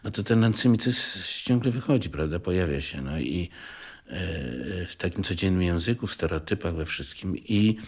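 An older man reminiscing in an interview, halting and digressive, often breaking off mid-thought. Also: deep voice, animated, a little mellow, breathy edge. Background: music.

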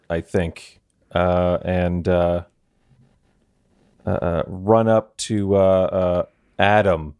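A man's voice: sits low, darkish tone, clean tone, dry recording, studio quality. A man playing a tabletop game, hesitant and full of fillers as he describes his move. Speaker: player. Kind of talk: casual tabletop game chat.

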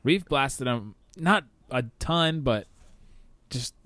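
A man's voice: medium pitch, lively intonation, slow pace, bright, forceful tone, dry recording. A man hosting a sports podcast with casual, conversational banter. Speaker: podcast host.

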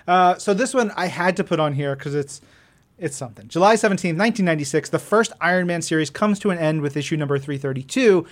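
Higher-voiced man, effusive podcast host. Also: fast. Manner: effusive, emphatic, with casual slang. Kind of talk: enthusiastic comics chat podcast.

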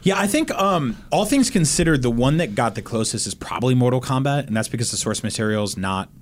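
A man's voice: medium pitch, animated, fast talker. An American man hosting a casual chat, talking in a jokey, exaggerated way. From United States. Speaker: podcast host reading listener questions.

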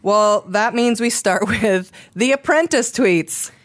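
A woman's voice: mid-range voice, takes it slowly. Woman co-host, casual comedic chat, laughs a lot. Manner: laughs often, reads tweets aloud. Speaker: podcast co-host.

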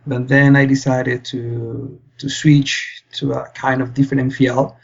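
Speaking flatly and without hurry, a young man from Spain talks about his PhD research as a guest on a podcast. His mid-range voice has vocal fry, the sound is lo-fi, and he answers earnestly with many fillers and restarts.

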